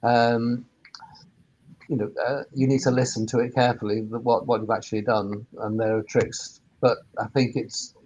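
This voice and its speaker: A man with a mid-pitched voice talks as an expert on a panel. He explains things informally and haltingly, doubling back on words as he goes. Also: flat delivery, a little mellow, poor audio. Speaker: webinar panellist, sound engineer turned workspace operator.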